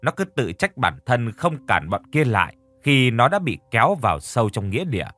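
A man narrating a horror audio story in a steady storytelling manner, acting out the characters' lines. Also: mid-range voice, moderate pace, no echo.

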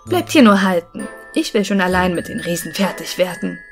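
A woman's voice: on the low side, very animated, brisk, faint music behind. A woman voicing a cheeky, boastful little male tailor in a fairy-tale audiobook, sounding sure of himself. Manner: boastful, self-assured.

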